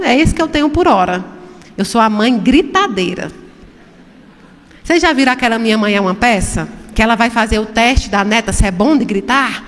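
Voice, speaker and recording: Woman, high voice, spiritist lecture, chatty storytelling, rhetorical questions, reverberant hall. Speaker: spiritist medium giving a talk.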